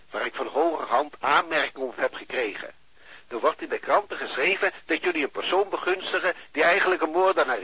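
A man acting as a fussy, reproachful police superior scolding over the phone in a radio drama, with a harsh, raspy voice. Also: on the high side, pushed and bright, no room sound, full character voice, rough recording. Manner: officious, scolding, exasperated.

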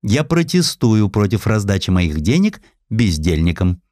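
A man's voice: fairly low pitch, sing-song, a little slow, darkish tone, no room sound, studio quality. A man voicing an indignant, grasping woman who demands her lover's inheritance. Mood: indignant, defiant.

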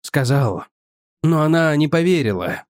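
A man voicing a weary, calm old male professor in an audiobook, low and unhurried. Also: no room sound, studio quality. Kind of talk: audiobook character voice.

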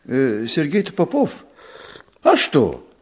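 An actor playing an opinionated, sceptical villager in a radio drama, with a wry, doubting manner. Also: male voice, a little high, huge pitch swings, takes it slowly, slightly rough, heavily acted. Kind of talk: Russian radio drama acting. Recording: faint noise, dishes clinking.

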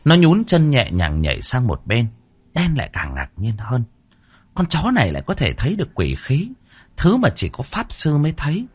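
A man narrating a scripted story with dramatic, expressive delivery. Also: medium pitch, normal speed, breathy edge.

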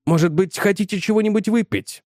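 A man voicing a calm, evasive young male scientist who answers in a coolly dismissive, polite way. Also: high voice, a little fast, no room sound, clean studio sound, voice pushed up, lightly acted.

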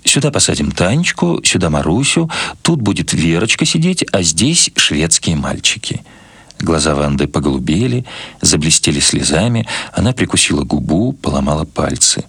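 A man reading literary prose as a scripted narration, in a measured, expressive storytelling manner. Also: very deep voice, creaky, husky, no room sound. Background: music.

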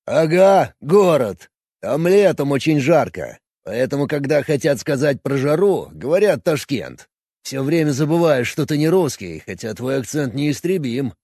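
A man voicing a big, bluff, good-natured Russian engineer who talks loud and teases, in a husky voice. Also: fairly high pitch, very animated, unhurried, no echo, clean studio sound, exaggerated voice. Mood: jovial. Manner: loud jovial teasing.

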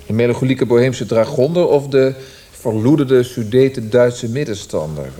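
An actor playing a brooding poet in a Dutch radio drama, speaking in a reflective, literary way. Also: male voice, mid-range voice, normal speed, warm tone, lightly acted. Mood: fervent, searching. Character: brooding male Austrian poet tormented by language.

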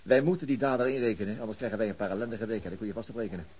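A man's voice: lowish voice, rapid-fire, a little mellow, dull audio, a little hiss or hum, natural voice. An actor playing an impatient, blustering male police chief in a radio drama, cursing in exasperation. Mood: grim.

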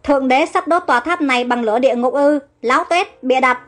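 A cruel, suspicious king barking commands in an audio storybook, read by a woman. The delivery is harsh and domineering but pitched high, with faint music behind. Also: fast, natural voice.

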